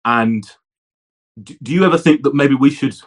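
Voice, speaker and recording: A man with a husky voice pitched in the middle range starts a question, restarting and stumbling over his words. He speaks as a co-host addressing the main host. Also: moderate pace.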